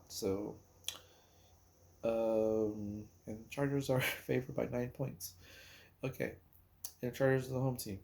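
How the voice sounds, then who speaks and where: A man talks casually about sports at a slow, unhurried pace. His voice is mellow and relaxed, and he rambles hesitantly, pausing as he thinks out loud like a solo podcast host. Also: medium pitch. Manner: rambling, hesitant, pauses while recalling and counting.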